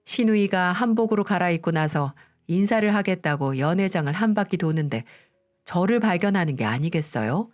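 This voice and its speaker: A woman narrating a scripted first-person story calmly. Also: on the low side, fairly quick. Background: soft background music.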